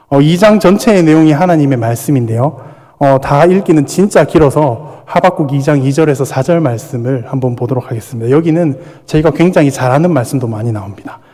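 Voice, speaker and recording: A man preaching an evening church sermon, reading scripture and arguing passages out with animated, raised emphasis. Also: mid-range voice, a little fast. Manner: acts out the prophet's pleading and arguing in raised voice. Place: church sanctuary. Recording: long hall reverb.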